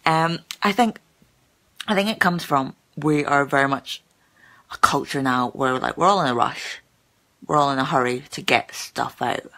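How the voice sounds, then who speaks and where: A woman's voice: a bass voice, pushed and bright, low-quality recording. A young woman who stammers, chatting casually with her viewers in a live stream, full of fillers and repeated words, filmed on a phone at arm's length in a small room. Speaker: channel host who stammers. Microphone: phone held at arm's length.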